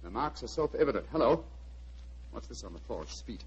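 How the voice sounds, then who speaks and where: A man playing Sherlock Holmes as a calm, probing detective, with courteous, insistent speech, in 1940s radio drama style heard on an old broadcast recording. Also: mid-range voice, a little fast, breathy edge. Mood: hushed, methodical. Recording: dull lo-fi vintage radio broadcast.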